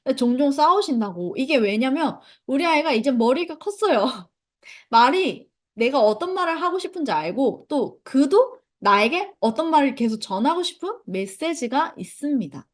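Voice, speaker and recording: Lively, high-voiced woman teaching parents. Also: moderate pace. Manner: reads participants' chat comments aloud. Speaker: parenting instructor. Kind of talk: online parent education lecture.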